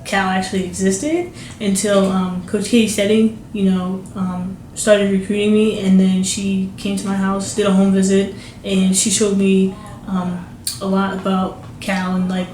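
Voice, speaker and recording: A young woman from New Jersey talks through an interview, full of fillers and false starts. Her voice has a middle pitch. It carries some room echo with a faint hiss underneath. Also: little pitch movement, measured pace, darkish tone. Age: young adult. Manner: rambling, many fillers and restarts. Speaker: basketball recruit. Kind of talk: casual interview.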